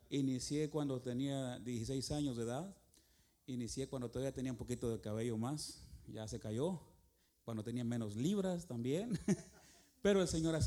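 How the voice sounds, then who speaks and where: Folksy, joking preacher, mellow voice. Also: male voice, medium pitch. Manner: folksy, joking, calls listeners "hermano". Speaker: traveling worship singer and preacher. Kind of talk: sermon. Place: church.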